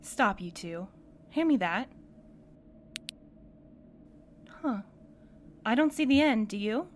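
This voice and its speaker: A woman plays a curious, sensible companion with a fairly high voice. She is playful and expressive yet cautious, in an audio drama scene over clear ambient noise. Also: measured pace. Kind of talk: audio drama podcast acting. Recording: clear background noise, ambient sound bed.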